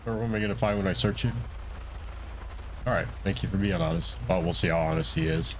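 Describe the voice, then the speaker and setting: A man giving a casual, conversational gaming tutorial in an unhurried, slightly hesitant way. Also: deep voice, a little hiss or hum, rough recording. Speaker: streamer and tutorial host, playing a police officer. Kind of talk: casual tutorial and game roleplay commentary.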